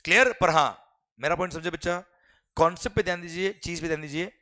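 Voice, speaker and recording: A man with an Indian accent teaching a lively class, often calling students "beta" and asking whether they follow, and reading English exam questions out slowly. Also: fairly high pitch. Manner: addresses students as beta, keeps asking "clear?".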